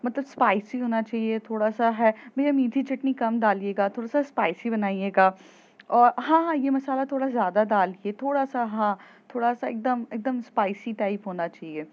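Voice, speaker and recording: A woman's voice: fairly high pitch, moderate pace, lightly acted. Playful stubborn young woman, coaxing, woman doing the voice, muffled lo-fi. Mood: ordering eagerly. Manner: coaxing and insistent. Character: playful stubborn young woman who loves street food.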